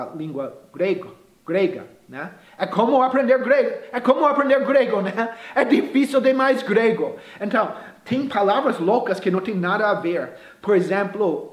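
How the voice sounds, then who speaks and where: A man who is a native English speaker, teaching a casual video lesson in Portuguese and slowing down to repeat words syllable by syllable. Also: high voice. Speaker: language teacher. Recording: roomy echoey room.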